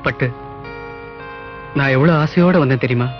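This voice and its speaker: A man's voice: medium pitch, normal speed, natural voice. An actor playing a young rich man tenderly coaxing his sweetheart. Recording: dull lo-fi film audio with guitar music.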